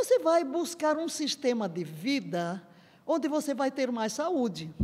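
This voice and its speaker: A woman talks fairly slowly in a high pitch. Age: 70s. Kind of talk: podcast conversation, testimony.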